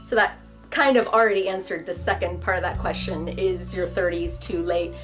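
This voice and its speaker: A young woman vlogger talking casually to the camera, chatty and self-deprecating, breaking into quick voiced asides. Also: on the low side, steady tone, fairly bright tone, soft background music.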